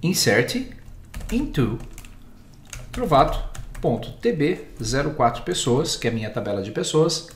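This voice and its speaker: A man with a Brazilian Portuguese accent, giving a screen-recorded software lesson and explaining each step in a steady, patient way. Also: mid-range voice, a little slow, pauses often, reverberant, a little hiss or hum. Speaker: instructor.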